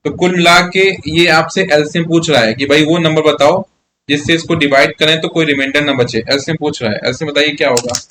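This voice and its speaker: There's slight background noise as a man with a higher voice leads a live online maths class at a slightly quick pace. His delivery is pushed and bright with fairly even intonation, and he chats, coaxes, and keeps asking his students "yes or no?"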